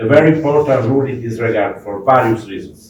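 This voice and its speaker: A man with an Italian accent, fairly high-pitched, at a fairly quick pace, with ordinary pitch variation. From Italy. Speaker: government official. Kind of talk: panel talk, partly read from notes. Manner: halting, many fillers.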